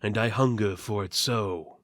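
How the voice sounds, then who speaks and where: A man's voice: lowish voice, a little slow, a bit bright, dry recording, clean studio sound. A man voicing a grave, vengeful adventurer in a fantasy story reading, formal and intense.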